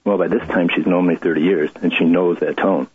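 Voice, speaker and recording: Low, husky man telling a confession. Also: fairly even intonation. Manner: earnest, halting confessional storytelling. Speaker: guest. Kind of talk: personal testimony interview. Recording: tinny phone-line radio audio.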